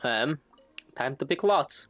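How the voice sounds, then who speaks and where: Low-voiced woman streaming a game. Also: expressive, takes it slowly, soft background music. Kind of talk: casual live-stream commentary, reading game text aloud.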